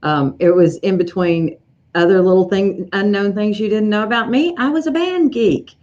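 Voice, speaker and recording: A woman's voice: mid-range voice, normal speed, darkish tone. Chatty Southern woman on a livestream. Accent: East Tennessee Southern. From East Tennessee, USA. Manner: chatty, rambling, frequent fillers and restarts. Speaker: livestream host, embroidery educator. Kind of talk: casual live-stream chat greeting viewers. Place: home sewing room. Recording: slightly dull lo-fi livestream audio.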